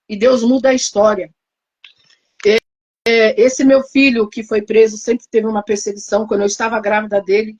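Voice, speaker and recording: A woman's voice: medium pitch, darkish tone. A woman pastor with a Brazilian Portuguese accent giving an emotional testimony sermon, telling her story and reenacting her own prayers.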